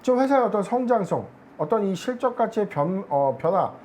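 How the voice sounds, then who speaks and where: Man analyst on a stock show, steady explaining tone, lots of filler words. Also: sits high, fairly quick, a little hiss or hum. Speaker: stock market analyst guest.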